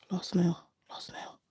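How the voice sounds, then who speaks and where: A slightly hoarse woman chatting casually and affectionately on a live nail art stream, often thinking aloud as she works. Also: slow, warm tone, whispered. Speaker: nail art livestream host. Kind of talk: casual live chat while doing nails.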